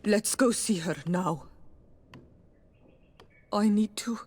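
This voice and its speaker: A woman's voice: medium pitch, takes it slowly, a little mellow. A woman acting a proud, passionate young tribal princess, solemn and direct, in a video game. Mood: pleading.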